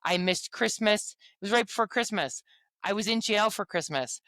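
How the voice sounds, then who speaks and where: A woman guest on a podcast, telling her own story in a frank, expressive way. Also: mid-range voice, moderate pace, dry recording. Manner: frank, expressive, lively retelling. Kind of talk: candid personal storytelling.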